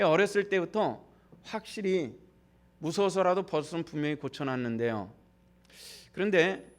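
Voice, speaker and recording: An older man, a retired senior pastor, preaching a sermon in a church, telling a story and asking the congregation questions that he then answers himself. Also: on the high side.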